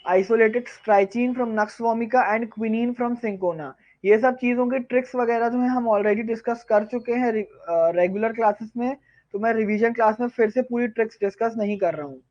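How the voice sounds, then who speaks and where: A male tutor giving a live online revision lecture, firing off quiz questions and answering them himself, slowing down to dictate key terms. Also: sits high, highs cut off. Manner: quizzes viewers, then answers his own questions. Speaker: pharmacognosy tutor.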